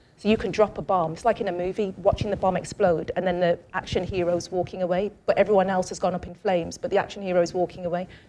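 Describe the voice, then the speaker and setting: With a British accent, a woman speaks in a flat monotone at a very fast pace, with hardly any pauses. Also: medium pitch for a woman. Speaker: panel guest, government marketing officer. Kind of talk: panel discussion.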